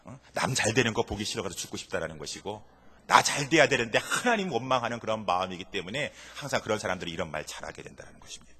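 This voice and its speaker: Bright, husky male pastor preaching. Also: fairly low pitch, animated, quick pace. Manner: emphatic, dramatic swings between loud and hushed. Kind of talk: sermon. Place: church sanctuary. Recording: reverberant church hall.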